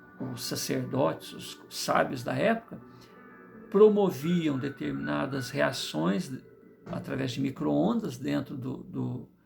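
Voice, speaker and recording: A man speaks at a very slow pace with big swings in loudness. Music plays in the background, and the room echo is audible. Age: 60s. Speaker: spiritist lecturer. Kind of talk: lecture. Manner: halting, with repetitions.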